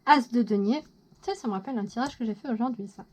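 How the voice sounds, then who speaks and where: A woman giving a casual monthly tarot horoscope reading, chatty, excitable and quick to poke fun at herself. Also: on the high side. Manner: chatty, self-mocking, excitable. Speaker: tarot reader.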